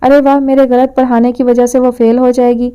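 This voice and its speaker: A woman's voice: fairly high pitch, level tone, dark tone, clear, resonant tone, natural voice. A woman reading an audio novel, voicing a sly young man who coaxes and teases. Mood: scheming.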